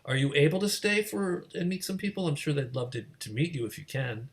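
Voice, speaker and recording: A man hosting a casual online group discussion, talking in a halting way and rephrasing his thoughts as he goes. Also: a little high. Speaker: host of an online community gathering. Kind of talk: casual moderated video-call discussion. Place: remote video call.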